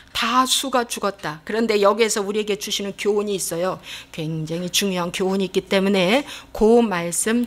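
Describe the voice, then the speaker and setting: A woman's voice: medium pitch, fairly bright tone. A middle-aged woman pastor preaching a sermon, pressing the listeners with repeated rhetorical questions.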